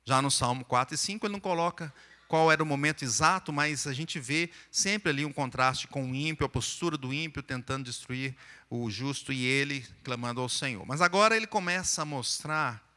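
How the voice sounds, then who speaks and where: A Brazilian pastor delivers a sermon with a bright, forceful voice. His words carry a long reverb through the church hall. He talks in a relaxed, explanatory manner. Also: medium pitch, fairly quick. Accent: Brazilian Portuguese. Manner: sings and chants psalm verses, then explains them plainly. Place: church sanctuary.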